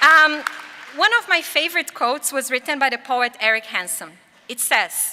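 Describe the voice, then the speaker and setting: A woman with a Portuguese accent speaks at a moderate pace. Her voice is high-pitched and swings very widely in pitch. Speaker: graduating student. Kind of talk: graduation speech.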